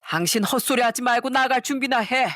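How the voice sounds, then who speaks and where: A woman's voice: medium pitch, fairly even intonation, measured pace, no echo, close to an everyday voice. A woman voicing a stern middle-aged father-in-law who scolds his wife, recorded dry.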